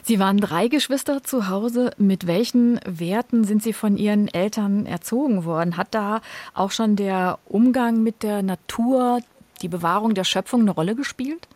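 A woman's voice: mid-range voice, moderate pace, a little mellow, dry recording. Radio host woman with a dry voice. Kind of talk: radio interview.

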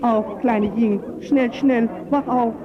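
A muffled, clearly noisy vintage recording carries a servile, humble man. His voice is high, and he speaks with formal deference in the style of 1920s radio plays. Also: fairly even intonation, slow pace. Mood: urgent. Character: meek, deferential Chinese male factory foreman under a master. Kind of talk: 1920s German radio play acting.

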